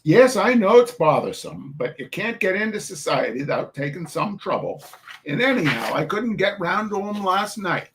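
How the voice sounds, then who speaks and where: A man's voice: high voice, big pitch swings, noisy background, pitched above the performer's own voice. A man voicing a bustling, bossy mother of a big poor family, with an attempted urban Irish dialect. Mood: brisk. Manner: brisk, ordering people about. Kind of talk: storybook reading.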